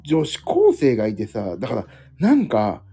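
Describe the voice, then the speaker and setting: A man's voice: mid-range voice, wildly swooping pitch, moderate pace, vocal fry, warm tone, soft background music. A middle-aged man hosting a casual solo livestream, rambling and self-deprecating as he jumps between topics. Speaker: livestream host.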